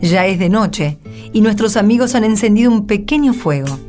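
A woman's voice: medium pitch, expressive, normal speed. An Argentine woman presenting and narrating a scripted radio drama. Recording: clear music under the voice. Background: background music.

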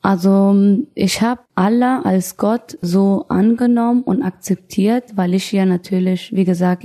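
Interview guest: woman, 30s, from Afghanistan, gravelly low-lit tone, reflective and searching for words. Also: warm tone. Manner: thoughtful, searching for words, frequent restarts. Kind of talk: personal testimony in conversation.

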